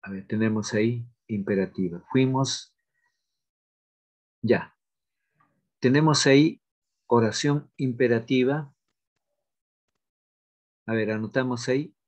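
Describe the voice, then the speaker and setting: A man at an ordinary middle pitch teaches a grammar lesson online. He talks haltingly, fills gaps with hesitations, and slowly repeats his example sentences aloud. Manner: halting, with many fillers and restarts. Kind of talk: online class explanation.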